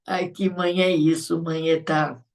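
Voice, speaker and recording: A middle-aged woman with a Brazilian Portuguese accent, hosting a live show and speaking in a heartfelt, reflective way with soft laughs. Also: low-pitched, gravelly, distant mic. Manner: emotional, reflective, laughing softly between thoughts. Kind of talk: heartfelt live-stream talk.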